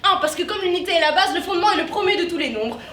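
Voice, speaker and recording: Young woman doing a pompous know-it-all doctor, stagey and declamatory, high voice, echoey room from far back. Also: expressive, rapid-fire, sharp tone, exaggerated voice. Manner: lecturing, declamatory, long enumerations. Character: pompous pedantic male doctor, self-important. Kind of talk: stage comedy acting. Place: theatre stage. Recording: roomy stage sound from afar, faint noise.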